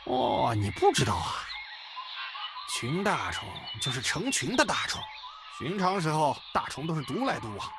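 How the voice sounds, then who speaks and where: Brash, menacing bandit, swinging pitch. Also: male voice, wildly swooping pitch, moderate pace, background noise. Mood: chatty, sly. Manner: brash, threatening, theatrical. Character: loud menacing bandit thug, cruel and gleeful. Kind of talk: voiced visual novel dialogue in Mandarin. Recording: music playing loudly behind.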